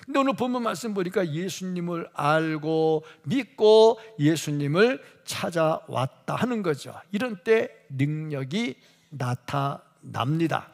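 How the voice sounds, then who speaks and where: A man's voice: a little high, animated, measured pace, creaky. A man preaching a sermon in a church sanctuary, talking conversationally, asking rhetorical questions and laughing at times. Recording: reverberant church hall.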